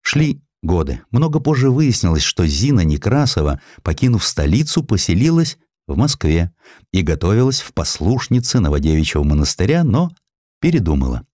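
A man narrating a historical story for an audiobook in a theatrical, expressive storytelling manner. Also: deep voice, moderate pace, no echo, studio quality. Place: dry studio.

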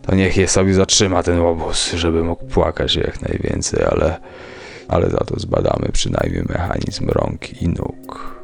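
A man voicing a sinister, gloating old man in a spoken horror story, mocking and dropping very low. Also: a little slow, creaky, a little hiss or hum, heavily acted. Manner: mocking cackle, drops very deep.

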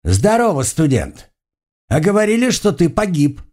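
A man voicing a plump, nosy male quartermaster who is hearty, prying and flattering in an audiobook. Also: fairly high pitch, moderate pace, pitched above the performer's own voice. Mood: jovial prying.

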